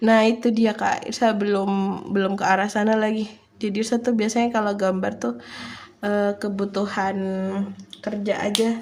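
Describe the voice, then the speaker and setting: A woman's medium-pitched voice with monotone, flat intonation at a moderate pace. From East Java. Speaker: streamer drawing live. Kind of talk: casual live stream chat. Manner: casual, chatty.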